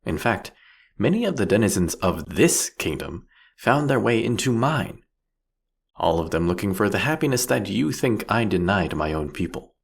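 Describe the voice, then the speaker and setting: A man playing a proudly ruthless, philosophical vampire king in a fantasy audio roleplay, speaking eloquently and mockingly in a drawn-out, theatrical way. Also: on the low side, sing-song, vocal fry, slightly rough, exaggerated voice. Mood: defiant, mocking.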